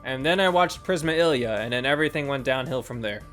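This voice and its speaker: A video host narrating a scripted review in a measured, first-person commentary style. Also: mid-range voice, lively intonation, fairly bright tone. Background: background music.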